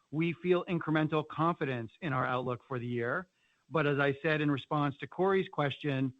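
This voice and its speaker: A man's voice: mid-range voice, no echo. Male executive on dull conference call audio. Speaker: company finance executive. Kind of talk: answering analyst questions on an earnings call.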